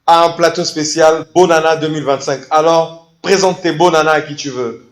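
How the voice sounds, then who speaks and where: A man's voice: on the high side, fairly even intonation, moderate pace, echoey room. A man hosting a TV studio interview, asking long-winded, emphatic questions. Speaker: TV host.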